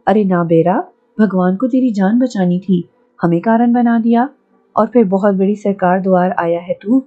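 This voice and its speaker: A woman's voice: mid-range voice, normal speed, phone-quality sound, natural voice. A woman voicing a rustic elderly village uncle, blunt-spoken but kindly, fussing and scolding in a folksy way. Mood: earnest.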